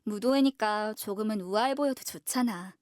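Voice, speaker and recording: A woman playing a gentle, sensible young eldest sister in an audio drama, speaking in a soft, coaxing, composed way. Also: mid-range voice, normal speed, no room sound, clean studio sound, natural voice. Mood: gently chiding. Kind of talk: Korean audio drama acting.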